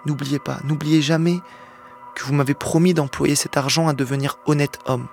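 A man reading aloud as a gentle, serene old bishop who speaks calmly and kindly. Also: a little high, normal speed, vocal fry, faint music behind. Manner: calm, kindly, a touch solemn.

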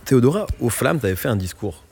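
A man's voice: mid-range voice, sing-song, fast, vocal fry, loud music behind the voice. A man hosting an interview, asking long questions with frequent hesitations. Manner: hesitant, many fillers. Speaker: radio interviewer.

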